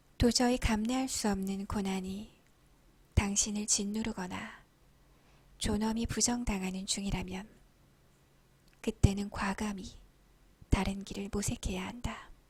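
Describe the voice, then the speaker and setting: A woman at medium pitch, calm in tone, with monotone, flat intonation, a very slow pace and long, frequent pauses. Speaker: audiobook reader. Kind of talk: audiobook reading of an essay book, ASMR-style. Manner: soft, calm, slow.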